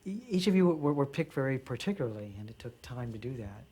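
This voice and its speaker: Man, group leader, earnest, measured delivery, restarts sentences. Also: medium pitch, lively intonation, dark tone, husky. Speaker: group facilitator. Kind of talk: group discussion in a documentary.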